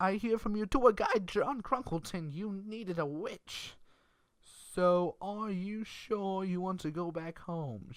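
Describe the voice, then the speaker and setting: A high-pitched put-on character voice from a man at a fairly slow pace. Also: very clean recording, silent background. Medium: read story.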